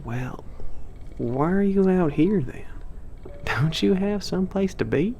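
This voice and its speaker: A man's voice: sits high, animated, slow pace, dark tone, highs cut off, a little hiss or hum, full character voice. A man playing a friendly, anxious young half-giant villager in an ASMR roleplay, chatty and folksy with hesitant, nervous delivery. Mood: curious.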